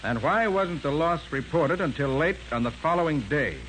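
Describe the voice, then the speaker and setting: Casting: a shrewd American private eye for 1940s radio crime drama, assertive, very varied intonation, slightly noisy old recording. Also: male voice, on the high side, expressive, fairly bright tone. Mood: confident, accusing. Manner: assertive, deliberate, explanatory. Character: confident male private detective, shrewd and commanding.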